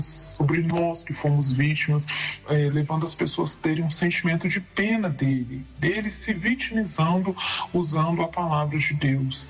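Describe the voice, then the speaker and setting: A woman's voice: low-pitched, dull audio. A woman whose voice is distorted by a voice changer, speaking earnestly in a recorded interview clip and stressing her key words.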